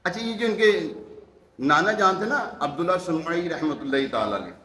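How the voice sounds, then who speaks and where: A man's voice: sits high, reverberant. A man giving a religious sermon, telling stories and acting out the quoted lines with emphatic rhetorical questions. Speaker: preacher. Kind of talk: Urdu religious sermon with storytelling.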